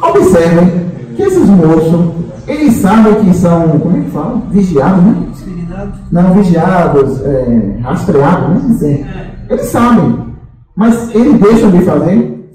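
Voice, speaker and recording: This spiritual guide addresses a meeting informally, teasing and chatting, with lots of fillers and tag questions. His voice sits high but has a dark tone, swings widely in pitch, and moves at an unhurried pace. A distant microphone catches him from far away in a big, very echoey hall.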